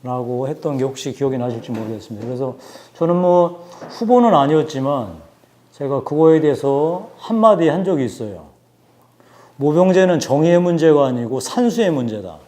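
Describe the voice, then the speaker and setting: A man in his forties giving a book talk, explaining numbers in a measured way with frequent hesitations. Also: a little high, expressive, warm tone. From South Korea. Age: 40s. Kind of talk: lecture-style talk with statistics.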